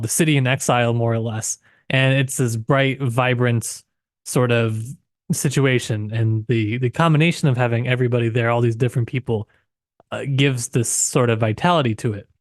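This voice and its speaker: A low-pitched man talks through a book as a podcast co-host. He is reflective and halting, feeling his way to each phrase, in a dry, close-sounding space. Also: no room sound. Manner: reflective, halting, searching for words. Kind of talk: unscripted literary discussion.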